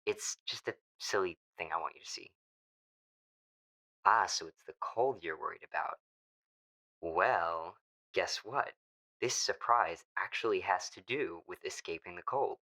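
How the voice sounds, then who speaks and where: A young man in an ASMR boyfriend roleplay, talking playfully and teasingly, laughing often and sometimes dropping to a hush. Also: low voice, measured pace, pauses often. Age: young adult.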